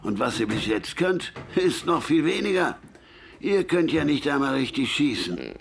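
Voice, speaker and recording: A gruff, gravelly old gunsmith. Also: male voice, medium pitch, sing-song, normal speed, slight background noise. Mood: mocking. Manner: scolding, mocking, laughs at the younger man. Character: gruff older male gunsmith, blunt and teasing. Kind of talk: German radio play acting.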